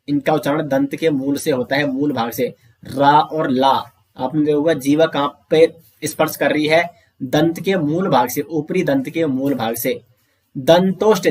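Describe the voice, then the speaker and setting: A man with a somewhat high voice teaches an online grammar lesson. He works through the material step by step, asks questions and answers them himself, and calls the listeners his friends. When drilling pronunciation, he says each sound out slowly. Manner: often addresses listeners as friends.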